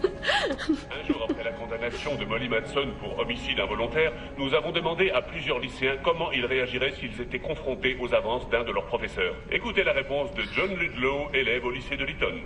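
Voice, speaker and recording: Tv news reporter, sharp lively voice, medium pitch, dubbed film. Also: male voice, brisk, faint music behind. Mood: formal, emphatic. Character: brisk male television news reporter.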